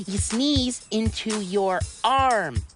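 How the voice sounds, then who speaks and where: A woman voicing a curious, cheerful young boy scientist in a children's cartoon, excitable and sing-song. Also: fairly high pitch, drawn-out words. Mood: excited. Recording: studio voice with music bed.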